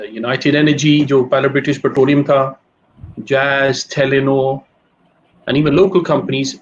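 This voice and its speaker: A man's voice: mid-range voice, lo-fi sound. A middle-aged man with a Pakistani accent explaining as a guest coach, emphatic, repeating phrases and listing points over an internet call. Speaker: guest career coach and consultant.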